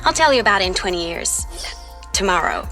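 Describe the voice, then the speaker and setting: A woman's voice: medium pitch, very animated, brisk, bright, forceful tone, faint music behind. A woman playing a sassy, world-wise fifteen-year-old girl from the future in an audio drama, with casual, sarcastic phrasing. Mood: confident, teasing. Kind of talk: audio fiction drama acting.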